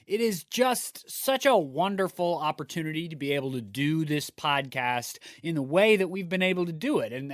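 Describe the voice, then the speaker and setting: Chatty American man, a bit high. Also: a bit bright, no echo, clean studio sound. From United States. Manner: chatty, rambling with restarts. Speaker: podcast co-host. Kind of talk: casual podcast chat and sponsor plug.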